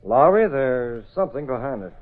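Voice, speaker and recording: Cool commanding masked-hero publisher played by a man, animated measured voice, phone-like old radio recording. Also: mid-range voice, lightly acted. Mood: calm. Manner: measured, authoritative. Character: composed male newspaper publisher, secret masked hero. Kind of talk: 1930s radio drama acting.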